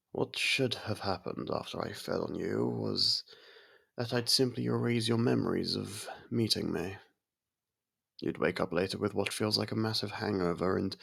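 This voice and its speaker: A man voices an aloof vampire centuries old, one who reluctantly cares for a human, in an intimate ASMR roleplay, fully in character. The voice is low-pitched yet a bit bright, gravelly and husky, measured, a touch haughty and halting.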